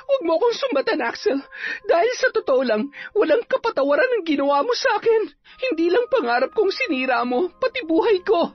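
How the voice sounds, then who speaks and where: A man voicing a wronged young woman who speaks in a high, shrill, sobbing voice. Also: big pitch swings, a little fast. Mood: tearful, furious. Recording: slightly dull, faint music.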